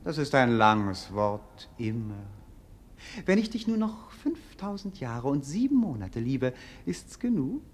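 An actor playing a bored, melancholy young prince in a classic radio play, speaking in a dreamy, languorous, theatrical way. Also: male voice, medium pitch, big pitch swings, unhurried. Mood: dreamy, teasing.

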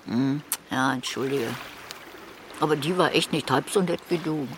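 An actress playing a chatty, laid-back old female sea creature in a naturalistic radio play, nonchalant and deadpan. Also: deep voice, normal speed, noisy background, natural voice. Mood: chummy, curious. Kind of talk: naturalistic conversational radio drama. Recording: loud splashing water behind the voice. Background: sea water splashing and trickling.

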